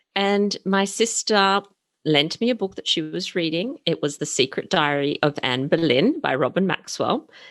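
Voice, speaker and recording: In an Australian accent, a woman speaks at a moderate pace in a fairly low pitch with lively intonation, the sound dry and close with no echo. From Australia, Sydney. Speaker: historian and author. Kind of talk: interview.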